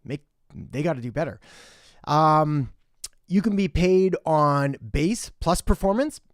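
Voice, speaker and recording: A young man with a slightly high, expressive voice takes his time while hosting a casual marketing Q&A live stream from his home in western Canada. Chatty and direct, he greets viewers by name and offers blunt advice. The recording is dry and studio-clean.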